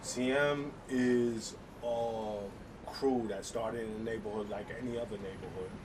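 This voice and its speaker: In a New York accent, a man speaks fairly slowly at a medium pitch with fairly even intonation. Room echo is audible, and background noise is noticeable. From New York City, Upper West Side. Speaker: graffiti artist. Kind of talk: interview storytelling. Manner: casual, streetwise.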